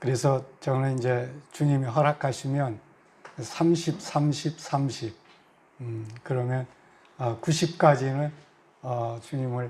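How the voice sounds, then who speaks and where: A man's somewhat breathy, medium-pitched voice at a very slow pace, with fairly even intonation and long, frequent pauses. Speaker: visiting lay preacher. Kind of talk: sermon. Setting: church. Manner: halting, many filler sounds.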